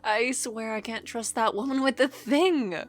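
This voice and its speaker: A woman playing an affectionate, teasing working wife in an ASMR audio roleplay, chatty and expressive. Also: fairly high pitch, a little slow, soft background music, close to an everyday voice. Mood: exasperated venting.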